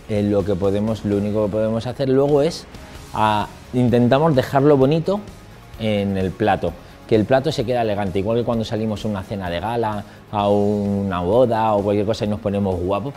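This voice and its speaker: A chef calmly explaining his plating in an interview voice-over. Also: lowish voice, fairly quick, soft background music.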